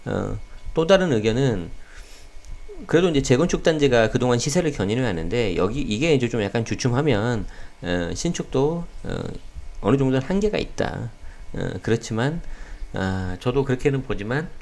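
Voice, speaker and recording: A man hosting a daily real estate news talk, slightly hoarse, speaking casually with many fillers. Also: mid-range voice, moderate pace. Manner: relaxed, many fillers, talks straight to viewers. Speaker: real estate channel host.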